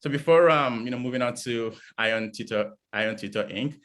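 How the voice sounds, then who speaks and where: A man's voice: medium pitch, normal speed, a bit bright. A man hosting an interview, rambling his way through questions with many "you know" and "um" fillers. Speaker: interview host.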